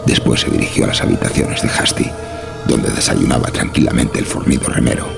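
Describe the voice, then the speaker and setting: A man narrating a scripted horror story in a measured, solemn way. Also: rumbling low, creaky, over music.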